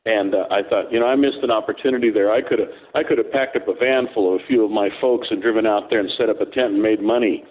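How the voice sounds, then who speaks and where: A man's voice: lowish voice, steady tone, quick pace, hardly any pauses. A man co-hosting a radio talk show, joking and rambling as he tells stories. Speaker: co-host. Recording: tinny phone line.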